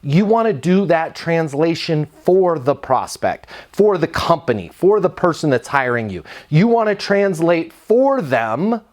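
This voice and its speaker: A man who founded a sales training company, giving energetic, emphatic career advice straight to the camera. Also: a little high, a little slow, few pauses. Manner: energetic, emphatic, punchy coaching delivery. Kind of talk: direct-to-camera advice video.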